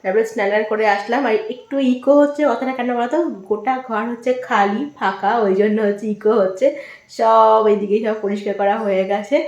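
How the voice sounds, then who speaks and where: A woman's voice: mid-range voice, steady tone, fairly quick, darkish tone. A woman vlogger chatting casually to her viewers at home, her voice echoing around a bare, empty room. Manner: chatty, rambling, sprinkles English words. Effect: echo from a bare, empty room.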